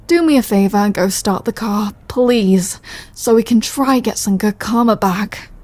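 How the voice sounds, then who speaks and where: A woman performs a British female mob boss in an intimate audio roleplay. Her voice is soft-edged and relaxed, recorded very dry and close. She is wry and world-weary, yet protective and apologetic. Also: medium pitch, takes it slowly, long pauses, dry recording. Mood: exasperated, sardonic. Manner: dry, sardonic, sighing, exasperated. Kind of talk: ASMR audio roleplay, close scripted acting.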